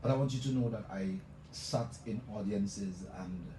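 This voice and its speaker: On a live radio show, a man with a lowish voice and a moderate pace hypes up his guest, gushing and repeating "let me tell you." The audio is noisy and echoey, picked up from a mic some distance away.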